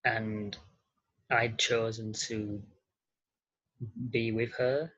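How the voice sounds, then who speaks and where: A man talking casually as an interview guest, hesitant and halting, with an understated way of speaking. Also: lowish voice, flat delivery, fairly bright tone, slightly rough, lo-fi sound. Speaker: podcast guest, model and actor.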